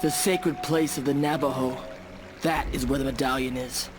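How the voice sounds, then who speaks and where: A man's voice: medium pitch, fairly even intonation, normal speed, lightly acted. An actor playing a proud, scornful Native American shaman in a western video game, with formal, solemn phrasing. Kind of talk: dramatic video game acting. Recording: music behind the voice. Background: music.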